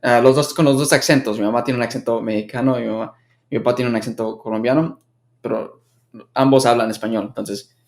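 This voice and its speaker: A man's voice: medium pitch, fairly even intonation, gravelly. Young man, chatty guest with restarts. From United States. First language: English. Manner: talks in quick bursts with many restarts. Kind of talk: casual conversational chat.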